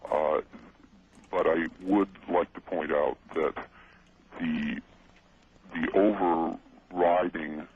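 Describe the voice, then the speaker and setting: A man on a radio call-in, his voice run through a voice changer, speaking haltingly and often restarting his words. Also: low voice, steady tone. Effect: voice changer disguising his voice. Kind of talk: radio interview. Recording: tinny phone line with loud hiss.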